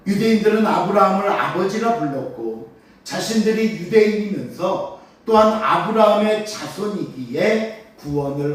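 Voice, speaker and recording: A male pastor delivering an expository Sunday sermon in a high voice with a lively, rising and falling delivery. He poses rhetorical questions and calls on the congregation to read scripture aloud. The sound is caught from a distance in a very echoey sanctuary. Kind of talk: Sunday morning sermon, expository Bible teaching. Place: church sanctuary during a worship service.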